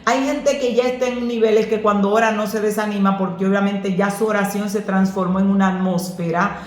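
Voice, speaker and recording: A woman pastor, answering questions about prayer in an earnest, preacherly way that slips into lively storytelling. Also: mid-range voice, brisk. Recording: echoey room.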